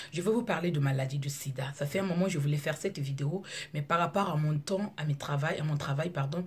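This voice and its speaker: A woman with a Congolese accent, very deep and low in pitch, somewhat breathy, at a fairly quick pace. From Congo (Brazzaville). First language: Lari (speaking French). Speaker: YouTuber / vlogger. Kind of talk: casual vlog monologue. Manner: halting, many repetitions and hesitations.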